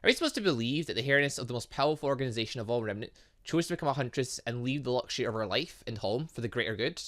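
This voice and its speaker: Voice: mid-range voice, lively intonation, racing, fairly bright tone. A chatty gaming host giving rambling let's play commentary, thinking aloud while reading a visual novel and reacting to it.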